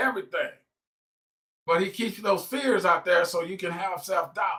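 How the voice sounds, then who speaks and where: In a raised, projected voice, a man speaks with an animated tone and a high pitch. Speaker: motivational speaker. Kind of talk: motivational talk. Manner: loud.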